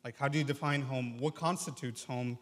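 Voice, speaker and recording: A man in his twenties from Mexico, speaking earnestly and reflectively to a congregation, pausing often. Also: medium pitch, steady tone, a bit bright. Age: 20s. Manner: earnest and reflective, many ums and pauses. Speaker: guest speaker, medical student. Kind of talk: personal testimony. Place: church sanctuary. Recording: church hall reverb.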